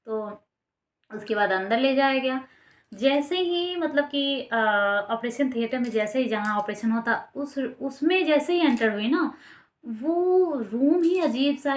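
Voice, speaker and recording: A woman's voice: fairly high pitch, a bit bright, echoey room. A young adult woman vlogger telling a personal story in a casual, rambling way with many fillers.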